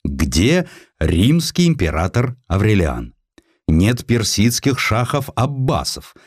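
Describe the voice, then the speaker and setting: A man's voice: lowish voice, a little mellow, dry recording. A man voicing an indignant, pedantic Soviet statesman in a formal, emphatic and rhetorical letter, in an audiobook.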